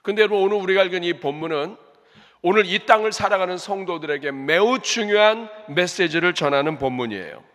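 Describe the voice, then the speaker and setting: A man's voice: sits high, fairly quick, fairly bright tone. A man, a senior pastor, preaching a sermon in earnest, asking the congregation rhetorical questions. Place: church sanctuary. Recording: reverberant church hall.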